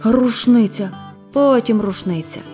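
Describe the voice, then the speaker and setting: A woman's voice: a little high, a little slow, darkish tone, soft background music, close to an everyday voice. A woman voicing a tipsy, clumsy middle-aged male hunting buddy who blusters and slurs, in a storybook reading. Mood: panicked.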